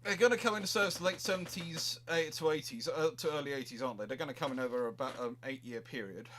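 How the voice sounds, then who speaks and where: A man's voice: fairly high pitch, fast, sharp tone, slight background noise. A man hosting a history live chat, talking casually and technically, often repeating words and restarting his phrases.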